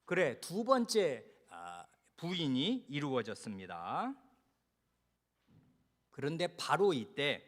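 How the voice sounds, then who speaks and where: A man preaching an expository sermon as pastor at a church service, expressive, asking the congregation questions and acting out what people said. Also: high-pitched. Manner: expressive, acts out quoted voices and asks the congregation questions.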